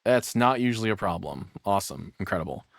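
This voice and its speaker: A man's voice: low-pitched, lively intonation, quick pace, dry recording, studio quality. A man streamer giving casual, musing reaction commentary with sighs and sweary asides. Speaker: streamer and host of reaction videos.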